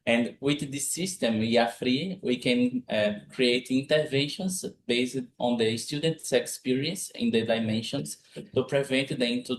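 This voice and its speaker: A young man from Brazil, a native Portuguese speaker with a Brazilian accent, giving an academic conference presentation in informal, halting English with frequent restarts. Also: medium pitch, a little hiss or hum.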